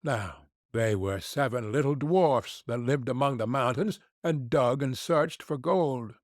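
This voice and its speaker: A man narrating a fairy tale for an audiobook in a measured storytelling manner. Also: mid-range voice, no echo, clean studio sound.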